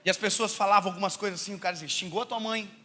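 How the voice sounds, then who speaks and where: A young Brazilian man preaching with humor, telling stories in an animated, joking way that rises to shouts. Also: high-pitched, very fast. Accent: Brazilian Portuguese. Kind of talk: humorous sermon storytelling.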